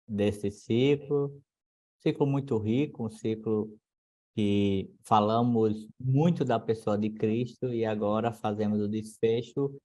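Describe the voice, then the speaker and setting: A man's voice: lowish voice, warm tone. A man with a Brazilian Portuguese accent, a guest teacher on a church podcast, speaks in formal, churchly phrasing.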